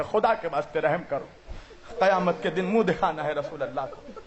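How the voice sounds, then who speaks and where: A man from India preaching a mourning sermon with passion, putting questions to the listeners and swinging between loud cries and low grieving tones. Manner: addresses the audience directly with questions. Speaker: Islamic preacher. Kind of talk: mourning sermon at a religious gathering.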